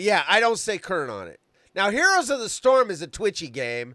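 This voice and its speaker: An animated man speaks at a fairly quick pace in a bright, sharp tone. The recording is very clean, with a silent background. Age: 50s. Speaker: live stream host. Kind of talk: casual chat.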